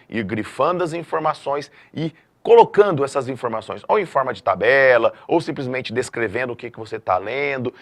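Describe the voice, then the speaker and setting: A middle-aged man from Brazil giving a math video lesson, emphatic and lively, often checking in with the students. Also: medium pitch. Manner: lively, emphatic classroom delivery with frequent checks like "tá?". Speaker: math teacher.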